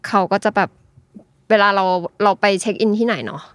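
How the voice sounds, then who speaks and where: A woman's voice: medium pitch, fairly quick, a bit bright, no room sound. A woman from Thailand, chatting casually as a podcast guest and telling things piece by piece in colloquial speech. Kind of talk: casual chat, storytelling.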